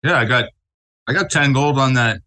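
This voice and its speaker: A man playing a tabletop game, describing his character's actions in a slow, relaxed way. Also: mid-range voice. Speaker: player.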